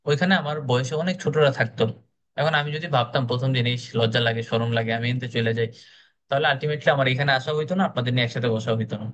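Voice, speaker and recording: A man's voice: medium pitch, fairly bright tone, slight background noise. A young man running a speaking club orientation, talking casually and encouragingly with many fillers. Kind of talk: orientation class talk.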